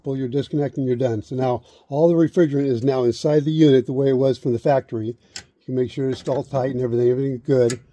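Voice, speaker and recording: A man's voice: mid-range voice, fairly even intonation, quick pace, warm tone, highs cut off. A middle-aged man giving a hands-on HVAC how-to outdoors, repeating steps and checking in with "okay?". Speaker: HVAC instructor. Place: outdoors beside an air conditioner unit. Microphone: camera held close, point of view.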